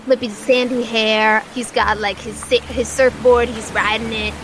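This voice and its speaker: A woman's voice: on the high side, little pitch movement, moderate pace, background noise. A woman game master improvising casual, conversational narration for a tabletop game, often saying "like". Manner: conversational, peppered with "like".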